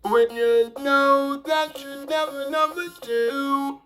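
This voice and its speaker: A woman's voice: a little high, fairly even intonation, slow pace, a bit bright, faint music behind. A woman's voice delivering melodic lines from a song. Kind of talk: slow sung vocal lines from a song. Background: musical instrument playing.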